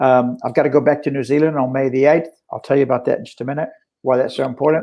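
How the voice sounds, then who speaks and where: Here a man speaks with an American accent. His pitch is fairly high, with ordinary variation. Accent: American, unchanged. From United States. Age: 60s. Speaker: contractor and family man. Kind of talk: casual interview chat. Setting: live video stream.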